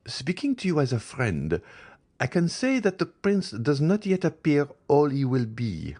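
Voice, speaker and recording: A man voicing a worldly middle-aged baroness who speaks in a smooth, confiding, unhurried way, for a classic novel read aloud. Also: on the high side, wildly swooping pitch, darkish tone, voice pushed up, heavily acted.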